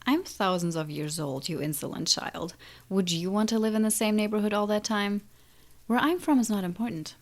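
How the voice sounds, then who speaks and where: A woman's voice: mid-range voice, normal speed, natural voice. A woman playing an ancient, menacing siren in an audio drama, taunting and condescending with a theatrical drawl. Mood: haughty. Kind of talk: audio drama villain acting.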